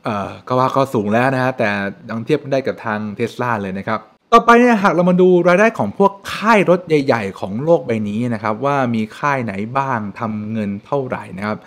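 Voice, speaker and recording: A young man hosting a finance channel, explaining stock news to camera in an animated, chatty way from a room at home. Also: medium pitch, a little fast, few pauses. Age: young adult. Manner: animated, chatty, frequent polite particles. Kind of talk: casual explainer talk to camera. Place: home room with shelves, indoors.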